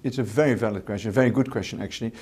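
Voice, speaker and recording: The speaker is a hotel manager from the Netherlands whose fairly low voice sounds darkish and husky. Answering interview questions in English as a second language, he stays measured but repeats words and leans on fillers.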